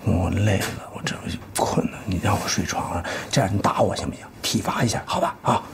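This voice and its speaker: An actor playing a sheepish middle-aged husband in a TV drama, stammering and coaxing, often speaking in a hushed voice. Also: male voice, sits low, brisk, vocal fry, a little hiss or hum. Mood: pleading. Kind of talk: TV drama acting.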